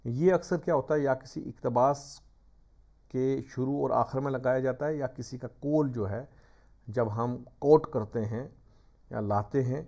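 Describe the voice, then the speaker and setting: A man's voice: medium pitch, warm tone. A male teacher giving a classroom lecture, patiently explaining step by step with examples. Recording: dull lo-fi recording.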